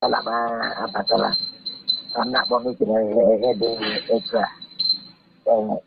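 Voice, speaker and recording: Hesitant gravelly man in a voice message. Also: fairly low pitch, flat delivery, very noisy. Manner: hesitant, halting, many fillers. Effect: played-back voice message. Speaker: party member questioned in a call. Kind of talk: recorded phone conversation. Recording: tinny phone-line voice note.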